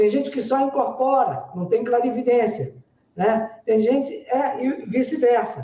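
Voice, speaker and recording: Here a man speaks with an extremely high pitch and a dark, mellow tone. His pace is fairly slow. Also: ordinary pitch variation. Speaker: spiritualist author. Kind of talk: interview. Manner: informal conversational.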